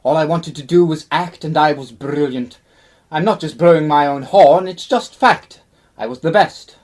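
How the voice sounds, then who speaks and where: A woman's voice: sits low, normal speed, a little mellow. A woman playing a vain, easily offended male actor in his twenties, grandiose and melodramatic, in a radio play. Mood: grandiose, sorrowful. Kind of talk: theatrical radio play acting.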